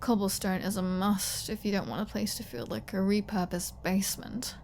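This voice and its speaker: A woman's voice: medium pitch, fairly even intonation, normal speed, darkish tone, a little hiss or hum, close to an everyday voice. A woman voicing a flirty, sarcastic, defiant female vampire in a scripted ASMR audio roleplay. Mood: snarky, playful. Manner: sarcastic, teasing, playful.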